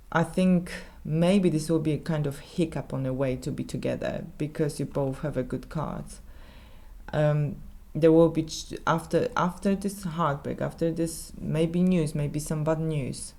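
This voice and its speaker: Low, mellow Polish-accented woman. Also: creaky. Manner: halting, searching for words, many restarts. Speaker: tarot reader. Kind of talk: casual tarot reading monologue.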